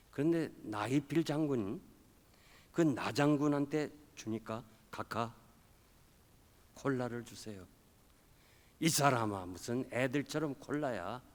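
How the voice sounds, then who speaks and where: A male pastor preaching a revival sermon, telling a story and acting out the quoted voices, swinging between loud and soft. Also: mid-range voice. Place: church sanctuary. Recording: long hall reverb.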